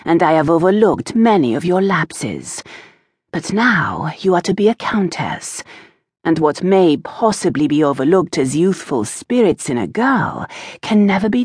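A woman's voice: fairly low pitch, breathy edge, dry recording, studio quality. A woman doing a severe, scolding aristocratic mother. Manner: severe, disapproving and lecturing. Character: stern, proper aristocratic mother scolding her daughter.

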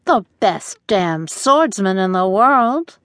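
A woman's voice: medium pitch, animated, takes it slowly, a bit bright, dry recording, clean studio sound. An actress playing a sly, malicious woman thief in an audiobook.

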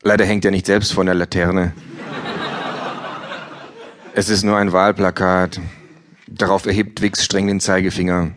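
A man reading his own comedic book aloud live on stage, with a dry, deadpan delivery. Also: sits low, a little slow, pauses often, slight background noise. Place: stage before an audience.

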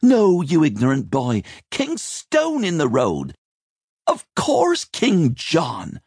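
A bony, bad-tempered older woman in charge of the maids, acted out by a male narrator. The voice is pushed high and swings wildly as it scolds, exasperated, in storybook style with a husky edge. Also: huge pitch swings, slow pace, a little mellow, no room sound, clean studio sound, heavily acted. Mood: impatient, scornful. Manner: barking, exasperated, dramatic swoops. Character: cross, scolding, bony older head chambermaid. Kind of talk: audiobook character voice.

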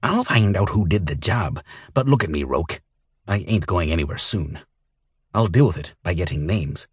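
A man's voice: deep voice, animated, breathy edge, no echo, clean studio sound, heavily acted. A man putting on a hissing old lizard alien. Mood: gruff. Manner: hissing, slow and grudging. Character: old male lizard-like alien weapons dealer, gruff and bitter.

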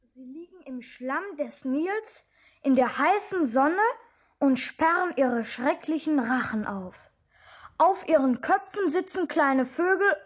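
Woman doing a little kid in a radio play, high voice, asks eager questions nonstop. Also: expressive, takes it slowly. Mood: curious. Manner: asks earnest, wondering questions. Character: little boy, about six, curious and eager. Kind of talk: radio drama acting.

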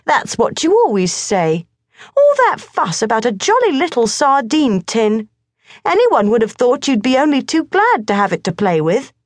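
A woman's voice: a little high, sing-song, normal speed, no room sound, clean studio sound, pitched above the performer's own voice. A woman voicing an anxious, earnest young boy in a storybook reading. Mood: scornful. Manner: pleading, earnest. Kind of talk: audiobook character voice.

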